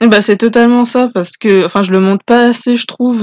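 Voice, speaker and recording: Recorded dry and close with no echo against a quiet background, a woman speaks at a moderate pace with fairly even intonation. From France. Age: 20s. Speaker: vegan entrepreneur and Instagram creator. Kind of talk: casual interview. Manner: hesitant, many fillers.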